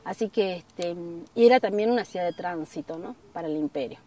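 A woman's voice: lowish voice, brisk, mellow. Earnest woman outdoors, slightly distant. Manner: earnest, gesturing, many fillers. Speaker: community member interviewed. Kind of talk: documentary interview. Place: outdoors in an open field. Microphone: camera at a distance.

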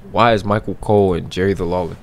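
A young man fires off fast, steady-toned commentary in a low voice as he plays a game blind. He sounds incredulous, cracks jokes, and talks back to what he sees on screen.

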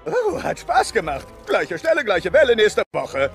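An actor voicing a daring one-eyed weasel adventurer in a dubbed animated film, with a cocky, playful swagger. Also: male voice, high-pitched, a little slow, faint music behind, exaggerated voice.

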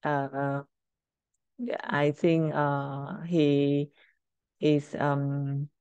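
A middle-aged woman with a Cambodian accent, a native Khmer speaker, teaching informally in halting, simple English. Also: low voice, level tone, a little mellow, clean tone, no room sound, highs cut off. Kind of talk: informal screen-share language lesson.

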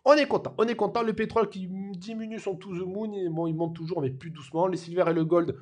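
A man talks through market charts in a casual, joking way. His slightly high, husky voice leaps up when he gets excited, then drops to low asides. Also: fast. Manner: animated and jokey, swinging between excited highs and low mutters. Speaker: crypto market commentator. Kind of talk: casual market analysis vlog.

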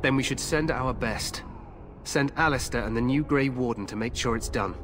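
A man's voice: mid-range voice, normal speed, a bit bright, a little hiss or hum, lightly acted. An actor playing a proud, eager young king in a fantasy game, with a regal, grandiose manner. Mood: brisk. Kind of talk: fantasy video game acting.

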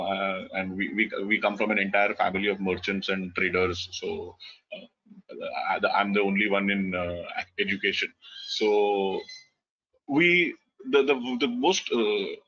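A man's voice: lowish voice, a bit bright. A man in his thirties with an Indian English accent, whose first language is Gujarati, giving an online business lecture, talking loosely with many fillers and restarts. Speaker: webinar lecturer. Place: indoor room, video call. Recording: slightly dull lo-fi call audio.

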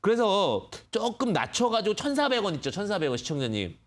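A man's voice: sits high, very animated, a little fast. A man hosting a live phone-in stock show, patiently explaining prices to callers with many fillers. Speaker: stock market expert host.

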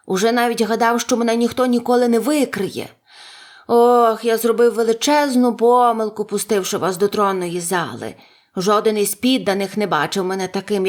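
A woman's voice: medium pitch, a little mellow, lightly acted. A woman voicing a timid, bald little man posing as a great wizard, speaking in a trembling, pleading voice.

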